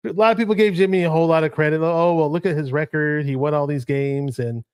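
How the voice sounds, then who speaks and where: A man's voice: on the high side, steady tone, fast, darkish tone, smooth, dry recording. Rambling man hosting a sports chat. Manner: rambling, full of restarts and fillers. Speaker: podcast host. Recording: dry close audio.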